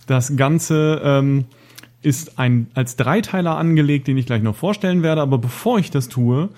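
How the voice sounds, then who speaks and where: A man's voice: on the high side, dark tone. A man hosting a podcast, talking in long winding sentences with many hesitations. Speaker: podcast host. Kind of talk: casual podcast conversation.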